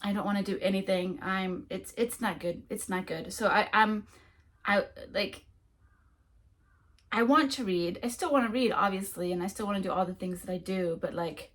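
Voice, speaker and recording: A woman's voice: mid-range voice, steady tone, moderate pace, a bit bright. A woman who is a French speaker, chatting casually through a monthly reading wrap-up, rambling with frequent ums and restarts. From United States. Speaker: book vlogger.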